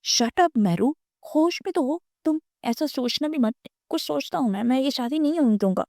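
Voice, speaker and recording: A woman's voice: mid-range voice, dry recording, clean studio sound, natural voice. Woman doing a stern, protective young man. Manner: stern, sharp scolding.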